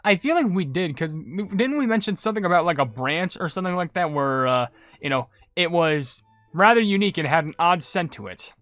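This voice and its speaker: Animated, rambling male gaming commentator. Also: fairly high pitch, fairly quick, dry recording, soft background music. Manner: chatty, rambling. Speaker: gaming video host. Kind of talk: casual commentary, reading viewer comments.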